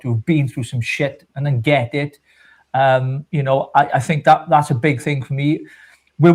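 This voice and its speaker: A man's voice: mid-range voice, darkish tone. A man, co-hosting a casual chat show, joking and then speaking sincerely. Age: 50s. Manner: chatty, self-mocking, sincere. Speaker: co-host.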